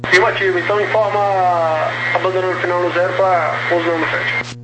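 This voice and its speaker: A man's voice: sits high, level tone, moderate pace, vocal fry, reverberant. A man with a Brazilian accent giving procedural aviation messages as a controller over a two-way radio, like a walkie-talkie. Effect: heard over two-way radio, like a walkie-talkie. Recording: humming, noisy two-way radio transmission.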